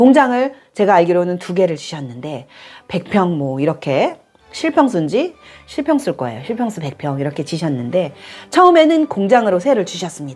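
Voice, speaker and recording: With music in the background, a woman speaks at a moderate pace in a fairly low pitch. Her pitch swings very widely and her loudness shifts a lot. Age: 60s. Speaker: real estate consultant. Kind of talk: sales pitch with personal anecdote. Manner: conversational, storytelling.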